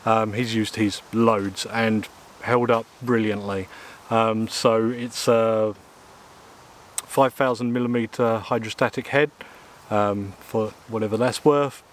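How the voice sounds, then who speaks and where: Relaxed man outdoors. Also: fairly low pitch, takes it slowly, a little hiss or hum. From England. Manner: relaxed, chatty, lots of ums and uhs. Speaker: outdoor gear reviewer. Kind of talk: casual gear review. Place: woodland outdoors, in and beside a small tent. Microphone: camera mic, close and at mid distance.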